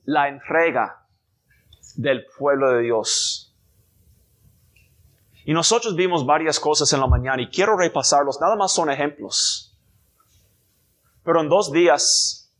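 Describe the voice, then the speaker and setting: Slow, emphatic pastor. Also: male voice, a little high, fairly bright tone. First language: English. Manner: slow, emphatic preaching with rhetorical questions and sudden rises. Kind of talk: sermon.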